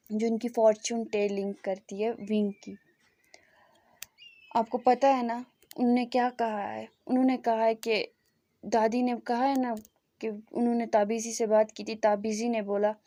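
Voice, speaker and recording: A woman's voice: a little high, dark tone. A woman hosting a storytelling channel, narrating casually and chatty, mixing in English phrases.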